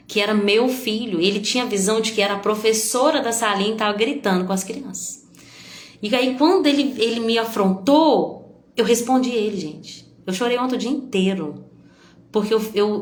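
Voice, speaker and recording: A woman preacher, giving a confessional, emotional sermon that now and then bursts out loudly. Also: mid-range voice, roomy sound. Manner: confessional, emotional preaching with sudden loud outbursts.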